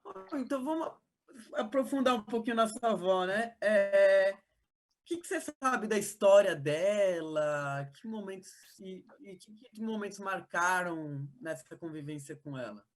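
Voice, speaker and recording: An interviewer, asking questions gently with hesitations and fillers. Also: mid-range voice, expressive, a little slow. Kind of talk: oral history interview.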